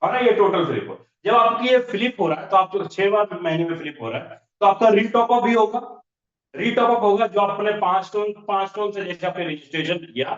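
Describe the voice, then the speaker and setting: Man teaching sums over a roomy call. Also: high-pitched. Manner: repetitive, walks through sums step by step. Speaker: business trainer. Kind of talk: online training session explaining income plans. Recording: roomy, dull lo-fi online call audio.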